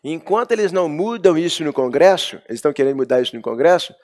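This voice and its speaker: A Brazilian man lecturing a law class, telling lively anecdotes and acting out the dialogue. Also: fairly high pitch, fast talker. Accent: Brazilian Portuguese. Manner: lively, storytelling, acts out dialogue. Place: classroom with students.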